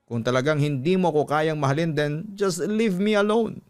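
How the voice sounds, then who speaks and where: A man's voice: on the high side, normal speed, a little mellow, faint music behind, natural voice. A man voicing a betrayed Filipina wife, emotional and reproachful, in a radio-style story drama. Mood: pleading, wounded. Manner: emotional, reproachful, switching between Tagalog and English. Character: hurt, angry betrayed Filipina wife confronting her husband.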